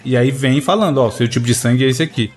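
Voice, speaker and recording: A man's voice: medium pitch, fast talker, faint music behind. A man hosting a casual podcast chat, joking and telling a story. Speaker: podcast host.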